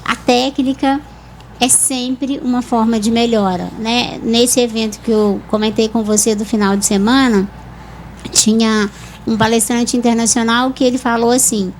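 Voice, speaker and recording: A woman with a Brazilian accent, a speech therapist calmly explaining voice and articulation in a TV interview. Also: fairly high pitch, normal speed, slight background noise, low-quality recording. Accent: Brazilian Portuguese. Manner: calm, didactic explanations with examples.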